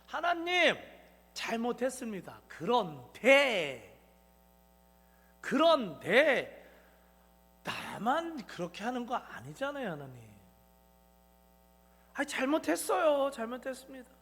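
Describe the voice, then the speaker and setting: Pastor doing a whiny churchgoer pleading excuses, high and drawn out, hall reverb. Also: male voice, wildly swooping pitch, slow pace, long pauses, fairly bright tone, exaggerated voice. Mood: whining. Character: whining churchgoer making excuses to God.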